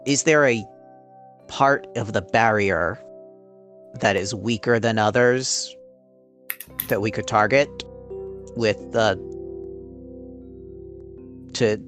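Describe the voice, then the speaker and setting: A man talking casually and haltingly as a player in a tabletop role-playing game. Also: lowish voice, fairly bright tone, faint music behind. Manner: hesitant, halting.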